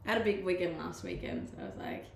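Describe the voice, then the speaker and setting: Her voice sits on the low side and is gravelly, very animated and quick as she reads viewers' live comments. She's a young Danish streamer with a slight accent shaped by living in many countries, chatty, relaxed and often laughing. There's echo in the room and faint noise in the background.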